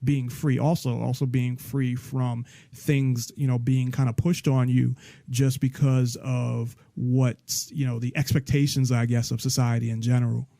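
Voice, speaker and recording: A man hosts a relaxed talk interview, his thoughts wandering and doubling back, with quick soft laughs along the way. His voice sits at an ordinary middle pitch. The sound is close and dry, with no room around it. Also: vocal fry, no echo. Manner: rambling, with many restarts and soft laughs. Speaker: host. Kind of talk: casual interview chat.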